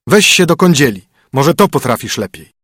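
A man's voice: mid-range voice, very animated, normal speed, a bit bright, husky, no room sound, clean studio sound, pitched above the performer's own voice. A man voicing a stern young king disguised as a poor fiddler, commanding, in a storybook reading. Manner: commanding, firm.

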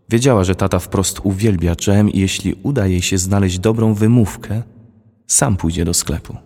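A man narrating a children's storybook in a measured, expressive reading. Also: low voice, husky. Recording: long hall reverb.

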